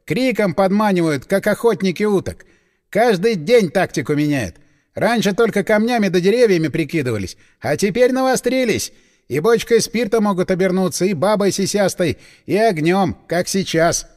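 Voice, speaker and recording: A gruff army commander, sneering and bossy, with a lively, swinging voice, as a male narrator puts him on. The storybook reading has a long hall reverb behind it. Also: high voice, moderate pace. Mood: scornful. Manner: sneering, barking orders.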